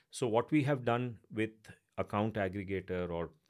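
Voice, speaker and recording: Lively intonation marks this man's speech. He talks with an Indian accent. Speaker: technology think tank co-founder. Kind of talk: interview.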